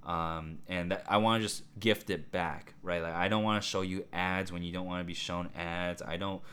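A man hosting a solo podcast, talking in a casual, rambling way with a hoarse, raspy voice and lots of fillers. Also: low voice, moderate pace. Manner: rambling, excitable, many fillers and asides. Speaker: podcast host.

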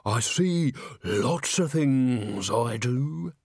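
Creepy old rustic stagehand from an audiobook, drags words out, loves bad news, dry close recording. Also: male voice, mid-range voice, animated, creaky, husky, dry recording, heavily acted. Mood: stubborn. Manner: drawn-out, ominous, repetitive rustic speech. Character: old doom-mongering stagehand, relishing his ghastly news.

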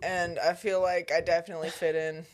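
A woman's voice: lowish voice, flat delivery, fairly quick, slight background noise. A young adult woman co-hosting a podcast, chatting casually, giggly and teasing, laughing often. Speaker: podcast co-host.

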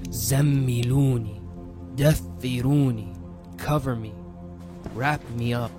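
A man voicing a terrified, gasping grown man in shock, raspy and repeating himself in panic. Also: mid-range voice, steady tone, takes it slowly, natural voice. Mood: panicked. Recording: background music under the voice.

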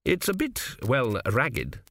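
A man's voice: medium pitch, wildly swooping pitch, slow, a bit bright, exaggerated voice. A man voicing an earnest, naive young prince who sounds anxious and a little pleading in an audiobook. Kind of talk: audiobook character voice.

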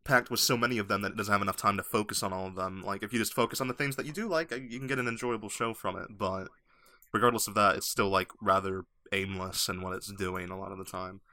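Podcast co-host: quick-talking man, lower pitch, blunt and sarcastic. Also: fairly even intonation, sharp tone, no echo, clean studio sound. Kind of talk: casual chat.

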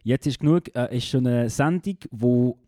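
A young man with a Swiss German accent co-hosts a podcast in easygoing chat. His voice is mellow and warm, in a mid range for a man. The recording is close and dry. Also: medium pitch, normal speed, no room sound. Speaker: podcast co-host. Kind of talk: casual chat.

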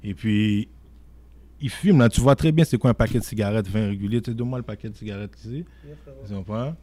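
A man's voice: on the low side, quick pace, warm tone, no room sound. A man with a Québécois accent, telling stories in a casual chat, emphatic and always checking in with his listener. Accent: Québécois French.

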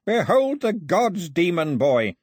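A man's voice: on the high side, very animated, normal speed, breathy edge, no echo, clean studio sound, pitched above the performer's own voice, full character voice. A man voicing a zealous old priest in an audiobook, breathless and wheezy, declaiming with fervour. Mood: fervent, gasping. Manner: declamatory, fervent. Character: zealous old male priest, triumphant, gasping.

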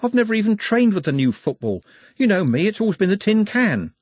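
Man voicing a heartfelt, high-pitched young working lad. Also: huge pitch swings, a little fast, dry recording. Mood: anxious, moved. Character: emotional, plain-spoken working-class young male footballer.

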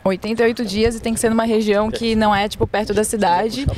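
A woman's voice: on the high side, level tone, fast, crowd noise. Frank woman telling her story. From Florianópolis, Brazil. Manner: frank, slangy, swears. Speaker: podcast guest. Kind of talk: casual storytelling. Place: outdoors near a beach.

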